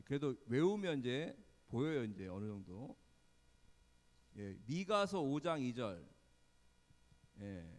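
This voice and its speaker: A male pastor teaching a Bible study, quizzing his listeners with frequent questions and quick asides. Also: mid-range voice, in a large hall. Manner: lively, quizzes the congregation with questions.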